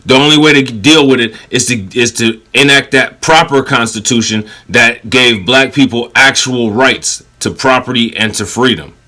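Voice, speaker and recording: A man's voice: medium pitch, pushed and bright. A man hosting a reaction video, cutting into a clip with blunt, profane and sarcastic commentary.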